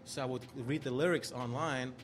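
A man's voice: mid-range voice, steady tone, a little fast, a little hiss or hum. A man from Austria with an Austrian accent, a guest telling his story in a casual interview, easygoing and self-deprecating. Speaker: guest, music A&R. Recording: music playing behind.

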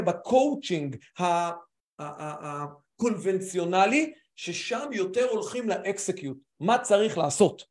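A man who is a mental coach, speaking as a guest in a casual video-call conversation, animated and stop-start with many restarts. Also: high-pitched.

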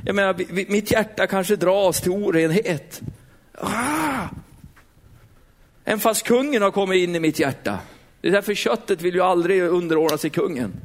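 A middle-aged man preaching a sermon in a church, lively, putting questions straight to the congregation. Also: high-pitched.

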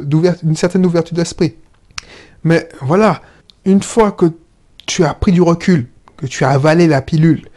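Fairly high-voiced man, animated talker. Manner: animated, frequent restarts and self-corrections. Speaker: entrepreneur. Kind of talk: casual solo monologue. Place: indoor room with air conditioning. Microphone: own microphones.

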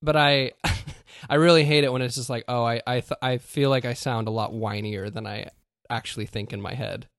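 A man's voice: mid-range voice, steady tone, normal speed, creaky, fairly bright tone, dry recording. Podcast host guy, chatty and self-mocking, dry close sound. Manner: chatty, self-deprecating, laughs often. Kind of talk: casual chat.

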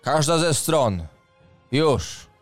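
A man's voice: mid-range voice, slow, darkish tone, smooth, natural voice. A man voicing a proud armoured knight captain in a tabletop game, formal and commanding, with pompous phrasing. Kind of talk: tabletop role-play acting. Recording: music under the voice.

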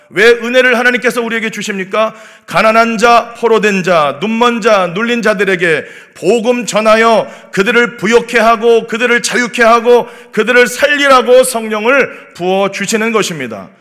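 High bright-voiced male pastor preaching. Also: normal speed, hardly any pauses. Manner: emphatic, repeating rhetorical questions to the congregation; acts out the devil's taunts in a mocking voice. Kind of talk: early morning sermon.

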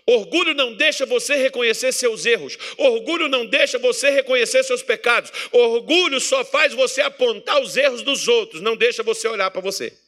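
High, bright-voiced Brazilian preacher. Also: male voice, fairly quick, hardly any pauses. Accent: Brazilian Portuguese. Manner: preaching with rising, shouted emphasis. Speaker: pastor. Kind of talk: sermon. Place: church meeting hall.

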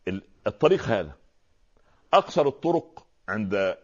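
A man with an Egyptian Arabic accent, a preacher explaining religious words in a lively talk-show conversation, often asking rhetorical questions. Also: lowish voice, moderate pace, lo-fi sound. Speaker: Islamic preacher, guest scholar.

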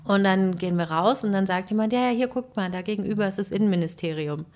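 A young woman telling a story in casual chat, animated and exasperated, acting out what people said. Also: medium pitch, fast talker. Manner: animated, exasperated retelling with acted-out quotes.

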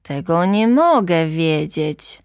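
A pompous old geographer drawls out his lecture from behind his desk, as a woman reading a storybook puts him on. He talks slowly and weighs every word in a dry, close sound. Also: on the low side, sing-song, no room sound, heavily acted. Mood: lecturing. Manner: slow, lecturing, self-important.

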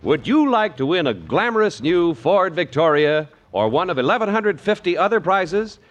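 A man's voice: high-pitched, big pitch swings, normal speed. A man announcing in the manner of a 1950s old-time radio announcer, with polished, emphatic sponsor reads on a vintage broadcast. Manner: emphatic, polished salesman delivery.

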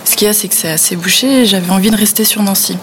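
A woman's voice: medium pitch, very fast, a little hiss or hum, poor audio. Young woman rambling in interview. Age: young adult. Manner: rambling, filler-heavy, laughs. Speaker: webzine co-founder, guest. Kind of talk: casual interview answers.

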